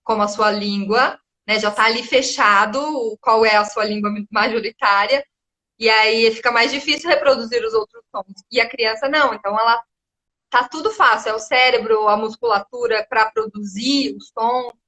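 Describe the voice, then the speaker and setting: Woman educator, bright and fairly high voice, patient explainer. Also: normal speed. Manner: explanatory, often ends with "né?". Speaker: guest educator. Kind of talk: casual live chat.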